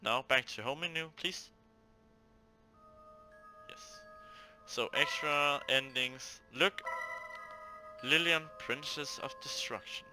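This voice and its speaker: Male let's player, middle-pitched, expressive and exclaiming, with clear game music underneath. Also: slow pace, long pauses, rough recording. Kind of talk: excited gameplay commentary.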